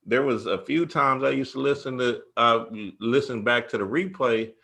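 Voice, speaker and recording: A man's voice: medium pitch, normal speed, vocal fry, pushed and bright. A man co-hosting a casual talk show, chatting in an enthusiastic, slangy and emphatic way.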